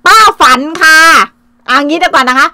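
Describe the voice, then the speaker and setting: A woman's voice: sits high, moderate pace, pushed and bright, no echo. A middle-aged woman from Thailand hosting a casual livestream, coarse and taunting, swearing freely. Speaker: livestream host. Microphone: phone livestream.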